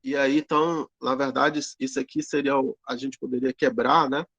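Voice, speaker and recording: A man teaching an online grammar lesson, explaining slowly with many fillers and tag questions. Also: mid-range voice, level tone, a bit bright, no room sound, highs cut off. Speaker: Greek teacher.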